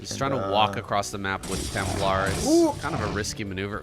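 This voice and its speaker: A man speaks in a fairly low voice. Music plays in the background. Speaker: esports caster. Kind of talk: live game commentary.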